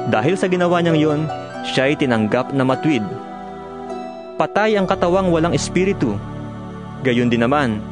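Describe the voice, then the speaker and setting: Music plays clearly behind a man narrating a dramatized audio Bible. His voice sits at an average male pitch. He exhorts in a solemn, earnest way, stressing his points with emphasis. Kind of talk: dramatized scripture reading, exhorting.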